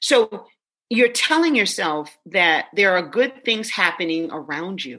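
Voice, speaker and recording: Her tone is bright and sharp. This woman speaks fairly slowly at medium pitch. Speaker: diversity trainer and international speaker. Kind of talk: interview answer.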